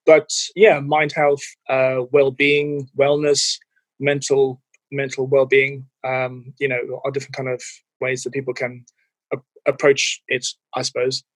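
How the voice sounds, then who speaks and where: A man's voice: medium pitch, completely flat delivery, measured pace, no echo, rough recording. A man in his forties with a mild, anglicized South African accent, a fitness and mental health coach answering interview questions with lots of ums and restarts. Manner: hesitant, many fillers and restarts.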